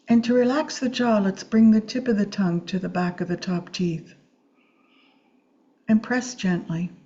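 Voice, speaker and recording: A woman meditation teacher guiding a Yoga Nidra practice in a gentle, soothing, unhurried way with long pauses. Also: medium pitch, steady tone, highs cut off.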